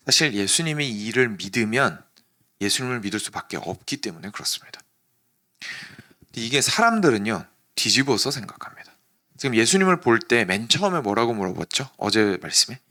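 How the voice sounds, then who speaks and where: A male pastor, possibly with a Busan accent, preaching an early-morning sermon and acting out quoted questions in a sharp voice. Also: fairly low pitch. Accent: Busan Korean.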